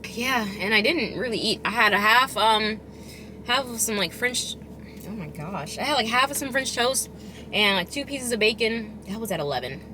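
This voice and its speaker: A woman chatting casually as a food vlogger, chewing while she talks, rambling and expressive with emphatic delivery. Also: on the high side, moderate pace, background noise. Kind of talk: casual chatty eating vlog.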